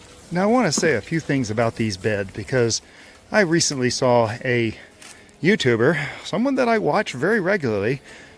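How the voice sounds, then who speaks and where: A man with a fairly high pitch talks at a moderate pace, his pitch swinging very widely. Noticeable background noise sits behind him. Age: 50s. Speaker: gardening channel host. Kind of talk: garden tour tutorial. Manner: animated.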